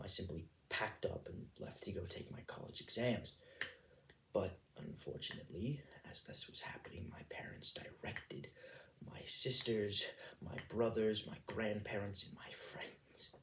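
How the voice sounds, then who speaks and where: A man playing a wounded, bitter gay son in a dramatic confessional monologue, speaking in hushed, breathy, halting phrases. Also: lowish voice, poor audio. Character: wounded young gay son, solemn and bitter, recalling rejection. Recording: quiet voice with noticeable noise, clicks.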